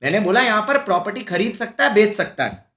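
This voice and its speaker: A man teaching a live-streamed exam-prep class, animated and scolding, full of rhetorical questions. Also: high-pitched, a little fast. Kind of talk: lively live-streamed lecture. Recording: echoey room.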